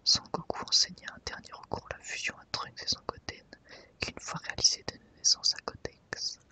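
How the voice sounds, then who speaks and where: Whispered ASMR narrator. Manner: soft, unhurried guided browsing through a book. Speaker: ASMR video host.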